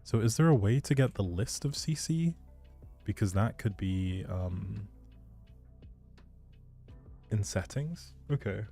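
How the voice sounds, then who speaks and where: A man's voice: on the low side, lively intonation, slow pace, creaky, pauses often, warm tone, faint music behind. A man chatting casually and thinking aloud on a gaming livestream, easygoing and polite. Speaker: video game livestreamer.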